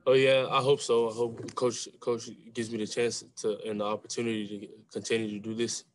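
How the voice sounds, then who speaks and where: A young man speaks quietly in a low, flat voice, answering press questions after a game. He often repeats a word or two before getting his thought out. The sound comes through a webcam on a video call from a small room. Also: fairly quick, slight background noise. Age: young adult. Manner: soft-spoken, repeats words when starting phrases. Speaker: college basketball player. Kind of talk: postgame press conference. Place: small room with a sponsor backdrop.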